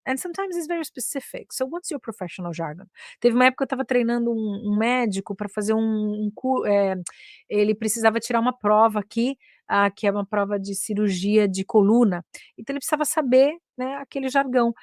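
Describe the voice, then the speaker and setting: A woman's voice: a little high, brisk, dry recording, clean studio sound. Brazilian woman teaching English, chatty. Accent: Brazilian Portuguese. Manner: mixes Portuguese and English, frequent "né?" and "ok?" tags. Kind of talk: casual online English lesson.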